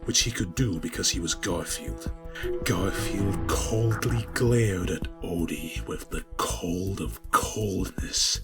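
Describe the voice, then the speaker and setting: A man delivering scripted narration in a pompous, overwrought mock-epic style, as a grandly dramatic storyteller. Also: deep voice. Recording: music behind the voice. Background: prominent music.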